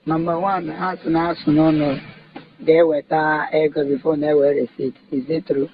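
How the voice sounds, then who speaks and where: A man's voice: a little high, little pitch movement, moderate pace, lo-fi sound, slight background noise. A man asking direct questions in a recorded phone voice message. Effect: played-back voice message.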